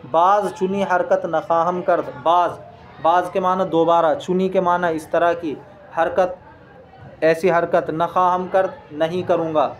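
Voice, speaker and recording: A male teacher with a notably high voice works slowly through a lesson, reading one short phrase at a time and glossing every word. His delivery is patient and repetitive, and faint background noise sits under his speech. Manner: reads each phrase, then glosses it word by word. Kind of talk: lesson reading and translating a Persian text.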